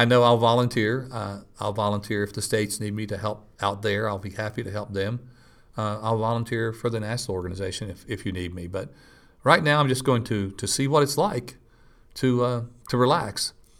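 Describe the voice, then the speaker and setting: A man with an American accent and a plain, everyday voice talks at a fairly quick pace with medium pitch and ordinary pitch variation, recorded very cleanly against a silent background. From US South, southern West Virginia coal fields. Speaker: retiring nonprofit executive director. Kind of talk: interview.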